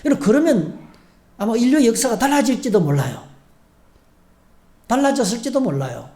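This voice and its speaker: Male pastor, sermon delivery with acted-out prayers, mellow tone, reverberant sanctuary. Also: very high-pitched, sing-song, a little fast. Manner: preaching with acted prayers and call-and-response. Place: church sanctuary. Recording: echoey church hall.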